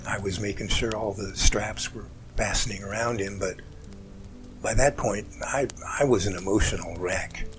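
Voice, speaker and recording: A man playing an emotional rescuer in an amateur audio drama, recounting events in an earnest, halting, dramatic way. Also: lowish voice, lightly acted. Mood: distraught, tearful. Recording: music bed under the voice.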